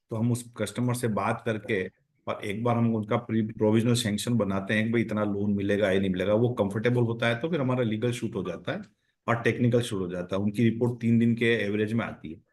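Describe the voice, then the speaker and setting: A man's voice: on the low side, steady tone, fairly quick, a little mellow. A man with an Indian accent answering as a company executive on an earnings call, explaining step by step and repeating phrases for emphasis.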